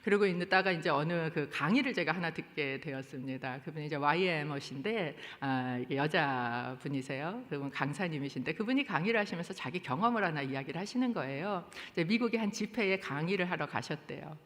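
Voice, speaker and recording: A woman's voice: deep voice, fairly quick, few pauses. A woman pastor preaching a sermon, telling stories with animation and pressing her points with emphasis. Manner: animated storytelling, rising to emphatic exhortation. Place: church sanctuary. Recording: long church hall reverb.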